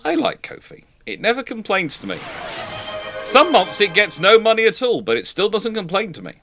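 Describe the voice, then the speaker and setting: A man's voice: high voice, wildly swooping pitch, normal speed, a bit bright, soft background music. A man hosting a live question-and-answer stream, chatting casually and thinking aloud in a rambling, conversational way. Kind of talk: casual live panel chat.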